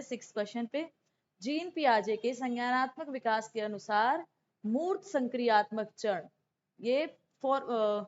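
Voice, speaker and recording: A woman teacher speaks in a fairly high voice that is hoarse from a sore throat. She explains exam questions step by step in an instructive manner, dropping in English terms. The recording sounds somewhat dull and lo-fi. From India. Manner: instructive, checks in with "okay", mixes in English terms. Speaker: teacher of exam-prep psychology classes. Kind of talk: explanatory exam lesson, going through questions.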